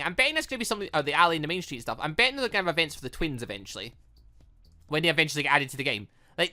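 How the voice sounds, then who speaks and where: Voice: mid-range voice, pushed and bright. A gaming video host doing let's play commentary, reading dialogue aloud and reacting with exclamatory asides. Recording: music behind the voice. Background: music.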